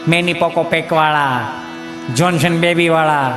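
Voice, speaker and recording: High-voiced Kathiyawadi Gujarati comedian. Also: male voice, steady tone, a little slow, long reverb tail. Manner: storytelling, mocking, preachy asides. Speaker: stand-up comedian. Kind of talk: folk stage comedy monologue. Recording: live show with music behind.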